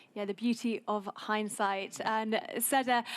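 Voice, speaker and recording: A woman's normal speaking voice at a moderate pace with ordinary pitch variation, on a very clean recording with a silent background. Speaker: panel moderator. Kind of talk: panel discussion.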